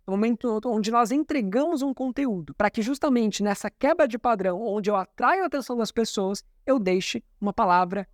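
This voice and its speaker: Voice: mid-range voice, dry recording, studio quality. A communication coach, explaining a talk in didactic commentary and repeating key terms.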